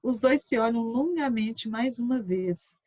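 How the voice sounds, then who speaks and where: A woman teacher reading a session transcript aloud in a steady, measured way. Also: on the high side, no echo.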